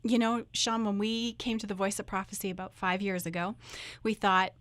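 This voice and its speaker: A woman's voice: medium pitch, steady tone, moderate pace, fairly bright tone, dry recording. A middle-aged woman, a show's narrator and writer, chatting casually in an interview. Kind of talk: casual studio interview chat.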